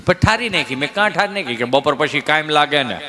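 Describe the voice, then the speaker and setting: A man doing live comic storytelling, animated and acting out family members. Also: a little high, quick pace. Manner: animated, acts out family voices. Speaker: stand-up comedian.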